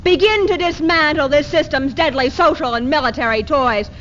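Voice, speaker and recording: A high-pitched, defiant feminist woman, acted by a woman recites with declamatory emphasis in readers theater. The old archive recording is muffled, with faint hiss. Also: normal speed, fairly bright tone. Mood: grave, indignant.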